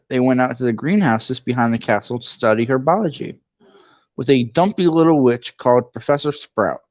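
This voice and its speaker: A man's voice: medium pitch, dry recording, lo-fi sound. A man reading a book aloud for a live read-along, chatty, with jokey asides.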